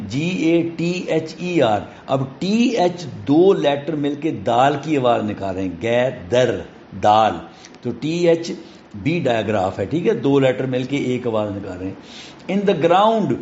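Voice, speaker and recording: A man with a Pakistani accent teaching a phonics lesson, patiently explaining and reading English sentences slowly, word by word. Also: on the high side, mellow, slight background noise. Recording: roomy, dull lo-fi classroom recording.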